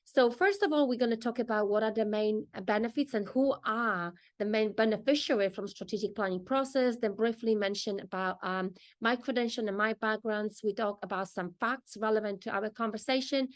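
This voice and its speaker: A middle-aged woman from Poland with a Polish accent, presenting a business training session in an earnest, explanatory way. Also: on the high side. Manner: earnest, explanatory, pauses often in short phrases.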